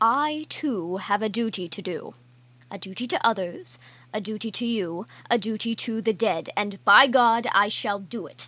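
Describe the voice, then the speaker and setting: A female-sounding put-on character voice speaks at a moderate pace and a fairly high pitch. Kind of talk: old-fashioned formal speech. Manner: solemn, commanding, measured.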